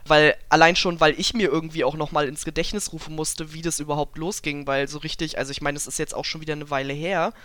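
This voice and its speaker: A woman in her twenties, co-hosting a podcast and chatting in a relaxed way with frequent laughs. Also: sits low, fast, few pauses. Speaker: podcast co-host. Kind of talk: casual podcast chat.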